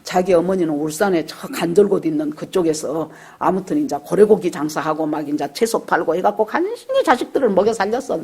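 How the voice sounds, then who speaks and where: A woman pastor delivers a Sunday sermon in a husky, slightly breathy voice. She preaches in a storytelling way and acts out the voices of the people in her stories. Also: on the low side, animated, a little fast, hardly any pauses, darkish tone. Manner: storytelling, acting out quoted dialogue. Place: church service.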